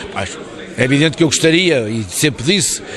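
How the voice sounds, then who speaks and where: Noticeable background noise sits behind a man who talks at a very fast pace. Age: 60s. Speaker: retired local council president. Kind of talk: interview. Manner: halting, with frequent restarts.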